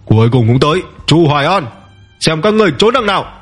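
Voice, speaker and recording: A man voicing a sly, unhurried official in an audio story, husky and raised in pitch. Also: big pitch swings, soft background music. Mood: triumphant. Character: cunning, unhurried male official.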